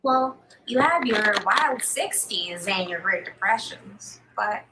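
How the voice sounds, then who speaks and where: A woman's voice: medium pitch, lively intonation, takes it slowly. A woman playing an elderly woman married to her imaginary friend, speaking in a wry, dry mockumentary interview manner. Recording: loud background noise.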